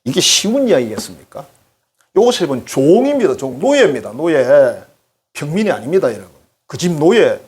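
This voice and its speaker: A man's voice: a little high, moderate pace, breathy edge. A male pastor preaching a conversational sermon, talking straight to the congregation and acting out voices. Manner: animated, addresses congregation directly, acts out quoted voices.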